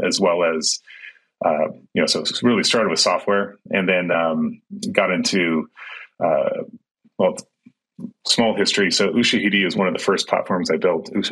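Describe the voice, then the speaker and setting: A man's voice: low voice, fairly bright tone, husky, low-quality recording. A middle-aged man who grew up in Sudan and Kenya, a tech entrepreneur answering interview questions in a thoughtful way, with many fillers and restarts.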